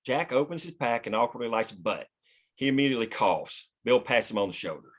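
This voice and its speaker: A man's voice: mid-range voice, expressive, brisk. A man reading out scripted action lines as the narrator of a screenplay table read. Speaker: stage directions reader directing the read.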